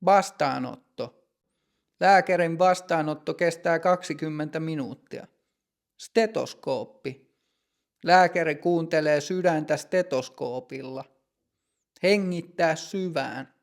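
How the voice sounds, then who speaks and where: Gravelly, slow-reading man. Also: fairly high pitch. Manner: slow, clear, deliberate reading. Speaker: language teacher narrator. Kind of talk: scripted narration for learners.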